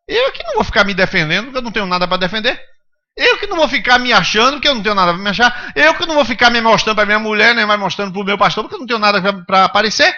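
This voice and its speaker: Delivering a sermon to his congregation, a pastor speaks in an expressive, rapid-fire rush with a high, bright voice, pressing home his points through emphatic rhetorical questions. The recording of the church service is dull and lo-fi.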